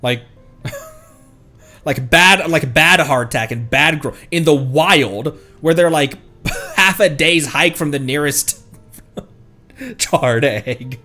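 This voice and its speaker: A man's voice: a little high, animated, slow, long pauses, sharp tone, soft background music. A man chatting casually on a livestream as the streamer, playful and rambling.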